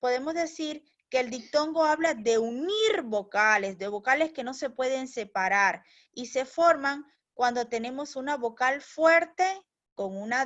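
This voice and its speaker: Slow, high-voiced patient woman teacher. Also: fairly bright tone, lo-fi sound. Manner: patient, explains step by step, calls pupils "mis niños", checks with "¿ya?". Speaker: primary school teacher. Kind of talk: recorded language lesson for children.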